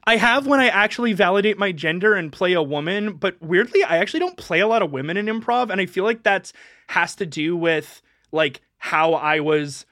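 A woman's voice: lowish voice, expressive, fairly quick, fairly bright tone, dry recording, clean studio sound. A young adult woman co-hosting a casual podcast, rambling and self-deprecating, laughing often. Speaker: podcast co-host. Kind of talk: casual chat.

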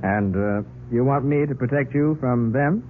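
A man playing a sharp, confident and curious private detective, brisk and wry, in 1940s radio drama style. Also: medium pitch, narrow, tinny audio, lightly acted. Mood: skeptical. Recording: noisy, band-limited 1940s radio recording.

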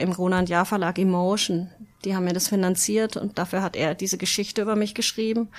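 Eine Frau als Interviewgast, die im lockeren Plauderton lebhaft von ihren Reisen erzählt und oft mit „äh“ und „ähm“ zögert. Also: female voice, mid-range voice. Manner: lively storytelling with many fillers. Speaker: guest, travel speaker. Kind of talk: casual interview answers.

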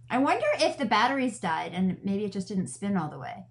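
A woman's voice: mid-range voice, very animated, normal speed, breathy edge. A woman in her thirties hosting a podcast, teasing her guests and laughing often in casual chat. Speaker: podcast host.

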